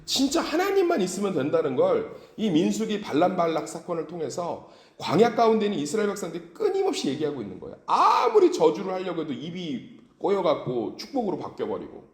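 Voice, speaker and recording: Animated male pastor preaching in church. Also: high-pitched, quick pace, hardly any pauses. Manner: animated, rhetorical questions, acts out stories. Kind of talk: dawn service sermon. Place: church sanctuary. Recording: echoey church room.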